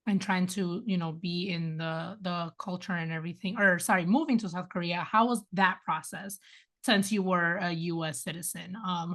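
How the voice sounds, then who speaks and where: A woman's voice: lowish voice, a bit bright. A woman hosting a podcast interview, giving short encouraging responses and asking casual questions. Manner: gives short encouraging backchannels. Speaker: podcast host.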